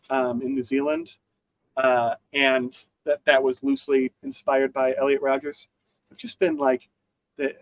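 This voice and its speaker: A man's voice: medium pitch, vocal fry, no echo, low-quality recording. A man co-hosting a podcast, talking through news in a rambling casual way with many fillers and restarts. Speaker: podcast co-host.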